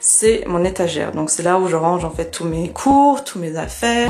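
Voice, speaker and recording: Noticeable background noise sits behind the recording. A woman talks at a fairly quick pace. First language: Russian (speaking French). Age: 20s. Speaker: law student and video creator. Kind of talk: casual room tour vlog. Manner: casual, many hesitations.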